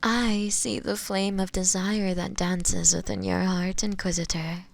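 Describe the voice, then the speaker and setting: Seductive witch captor, played by a woman, intimate audio roleplay. Possessive and sweetly menacing, unhurried delivery, breathy murmurs with some vocal fry. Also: mid-range voice, flat delivery, no room sound. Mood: coaxing, possessive. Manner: slow, coaxing, breathy murmurs slipping into whispers.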